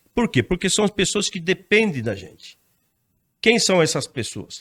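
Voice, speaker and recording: The recording is very clean and the background is silent. A man talks with lively intonation. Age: 60s. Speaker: mayor and physician. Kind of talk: interview. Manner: halting, with false starts.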